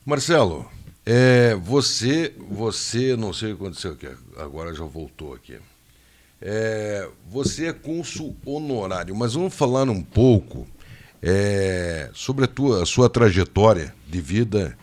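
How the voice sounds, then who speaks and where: A man hosting a radio interview in a studio, chatty and quick to jump in with questions. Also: on the low side, animated, darkish tone. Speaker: radio host.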